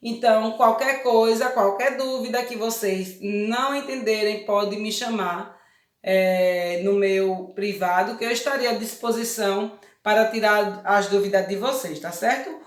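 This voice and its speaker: A woman's voice: medium pitch, a little slow. A Brazilian woman teaching a recorded lesson to young children. She explains step by step and keeps checking that they follow. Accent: Brazilian Portuguese. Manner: patient, explains step by step with many check questions. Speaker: primary school teacher. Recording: echoey room.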